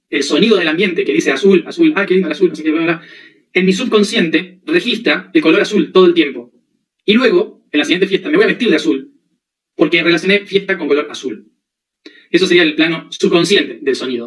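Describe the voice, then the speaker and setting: Male spiritual teacher, fairly high voice, a little distant from the mic, lecture delivery with check-in questions. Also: fairly bright tone. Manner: explains with everyday examples and frequent checking questions.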